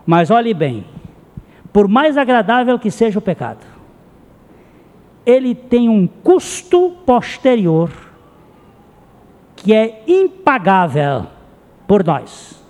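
This man's high, very animated voice moves at a slow pace, pausing often, with a slightly mellow quality. He's preaching as a pastor, telling stories with passion and repeating phrases, under long hall reverb.

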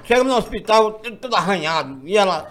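A man in his forties telling a comic life story on a talk show, animated and acting out the people in it. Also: high-pitched, fast talker. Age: 40s. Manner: animated, slips into acted quotes. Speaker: guest.

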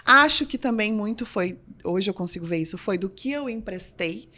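A woman's voice: mid-range voice, normal speed. A woman from southern Brazil with a Rio Grande do Sul accent, a sports reporter telling stories in a casual podcast interview and acting out the voices of the people she quotes. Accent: Rio Grande do Sul Portuguese. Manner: animated storyteller, acts out quoted voices.

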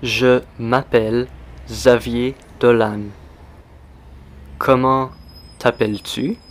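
Very slow-speaking male language teacher. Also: mid-range voice, flat delivery. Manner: very slow and deliberate, repeating phrases. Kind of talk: slow scripted language lesson.

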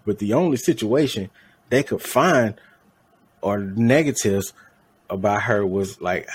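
A man's voice: on the low side, slightly rough. A man co-hosting a podcast in casual chat, rambling and correcting his own slips with a laugh. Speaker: podcast co-host.

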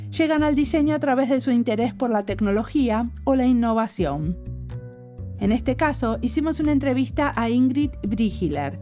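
A woman hosting a podcast, reading a measured introduction and then asking interview questions. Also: on the high side, a little mellow. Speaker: podcast host.

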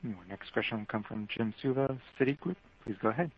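A man's voice: mid-range voice, quick pace. A man working as a conference call operator, making scripted announcements of the next questioner. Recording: dull lo-fi conference line.

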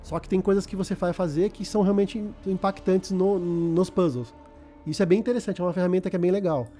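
A man with a Brazilian Portuguese accent explains a video game in loose, informal podcast chatter, repeating words as he goes. His voice sits high and dark-toned, moving quickly over soft background music.

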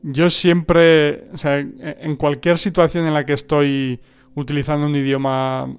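Unhurried and flat, this fairly high male voice comes through cleanly over faint background music. A first-language Spanish speaker, he hosts a podcast on learning languages and talks reflectively on his own, restarting often and adding rhetorical "¿no?" checks.

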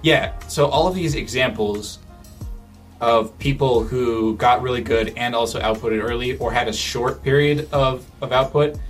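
A man with a middle-pitched voice chats casually and relaxed, often pausing and starting over as he thinks things through. Soft, faint music runs in the background, and his speech is thoughtful and full of fillers.

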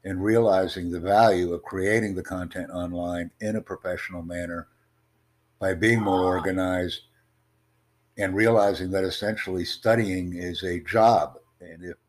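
A man with a very deep, low voice hosts an online chat. He speaks in measured, formal sentences, pitching his ideas like a presentation. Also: fairly even intonation. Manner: formal, promotional, measured delivery. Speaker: host of online conversation. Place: in the United States.

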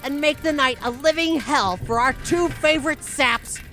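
Woman doing a swaggering kid bully ringleader, highish voice, slangy drawl, scheming audio drama villain. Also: moderate pace, fairly bright tone, faint music behind. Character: cocky young bully boss plotting torment. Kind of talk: cinematic audio drama roleplay.

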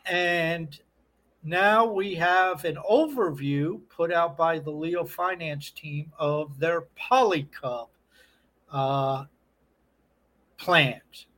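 A man's voice: a little high, very slow, a bit bright. A man from North America co-hosting a podcast, talking in a casual, conversational way. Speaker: podcast co-host. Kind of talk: casual chat.

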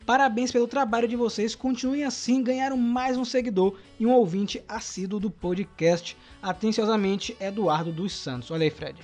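This upbeat Brazilian man co-hosts a casual podcast and reads listener mail aloud with lively emphasis. His voice sits notably high for a man, and faint music plays under him. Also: normal speed, hardly any pauses. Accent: Brazilian Portuguese. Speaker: podcast co-host. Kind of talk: casual podcast chat, reading listener email.

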